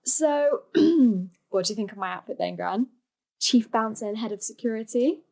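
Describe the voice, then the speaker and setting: An actress playing a proud, caring young granddaughter with a matter-of-fact manner. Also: female voice, on the high side, lively intonation, normal speed, vocal fry.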